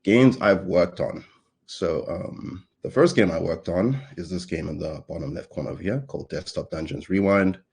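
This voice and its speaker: A man's voice: low-pitched, normal speed, vocal fry, a little mellow, breathy edge. A young man from South Africa giving a casual, playful conference talk, joking at his own expense with lots of fillers. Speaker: conference speaker.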